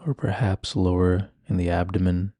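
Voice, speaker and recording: A man leading a guided meditation in a calm, gentle, measured manner. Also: low-pitched, no echo, clean studio sound. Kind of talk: guided meditation, ASMR-like instruction.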